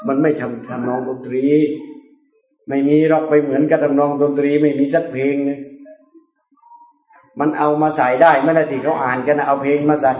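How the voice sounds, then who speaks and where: Man, religious lecture, colloquial and animated, slightly high voice, echoey room. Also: normal speed, pauses often, lo-fi sound. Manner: colloquial, animated, with playful asides. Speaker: Quran recitation teacher.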